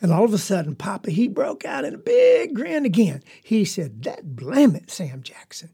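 Sincere poor Southern farm boy, told by a man, rural drawl, rambling, creaky husky tone. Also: sits high, huge pitch swings, normal speed, warm tone, heavily acted. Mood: earnest. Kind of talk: storytelling monologue.

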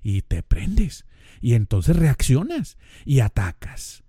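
A man's voice: mid-range voice, huge pitch swings, slow pace, dark tone, slightly rough, no echo, clean studio sound. A man with a northern Mexican accent hosting a podcast in a casual monologue, speaking straight to the listener and acting out little dialogues. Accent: northern Mexican Spanish. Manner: conversational, addresses listener directly, acts out little dialogues. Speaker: podcast host.

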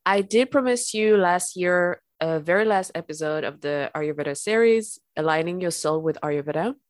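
A woman hosting a spiritual podcast, talking gently and calmly while congested from an illness. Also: on the low side, normal speed, no room sound, studio quality. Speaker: podcast host. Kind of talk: calm spiritual podcast talk.

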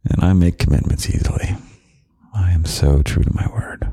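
A young man hosting a podcast of gentle, half-whispered comfort talk, slow and soft with quiet chuckles, close to the microphone. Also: low voice, fairly even intonation, slightly rough, dry recording. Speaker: podcast host.

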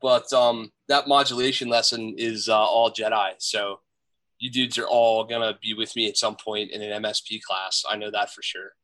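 Joking podcast host guy, bright tense voice, dry close headset sound. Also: fairly low pitch, fairly even intonation, no room sound. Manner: joking, upbeat, quick asides. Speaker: podcast host and firearms instructor. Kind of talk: casual podcast chat.

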